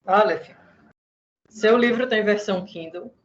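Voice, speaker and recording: A woman in her thirties, the podcast's editor, speaking briefly and softly in casual chat. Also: medium pitch, a little slow. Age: 30s. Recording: dull lo-fi sound with faint noise.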